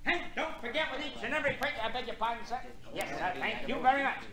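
An actor playing a brassy American burlesque pitchman delivering repetitive sales patter in an old radio drama. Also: fast talker. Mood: brassy, hawking. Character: brassy, high-pitched burlesque candy pitchman hawking to crowd. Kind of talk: 1950s radio drama acting. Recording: echoey theater scene with crowd noise.

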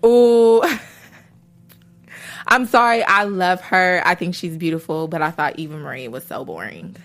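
A woman's voice: low voice, lively intonation, moderate pace, bright, forceful tone. A woman co-hosting a TV after-show, chatting casually and animatedly with many fillers. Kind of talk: casual chat.

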